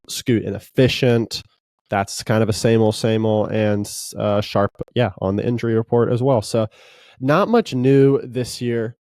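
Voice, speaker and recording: A man hosting a casual sports podcast, relaxed and rambling, with lots of fillers. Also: medium pitch, no room sound, studio quality. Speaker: podcast host.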